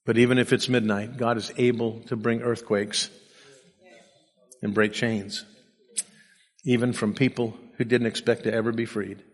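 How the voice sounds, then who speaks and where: A man's voice: mid-range voice, level tone, moderate pace, long pauses, breathy edge, long reverb tail. A man preaching a sermon and telling personal stories with self-deprecating humor, saying he is sleep deprived. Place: church.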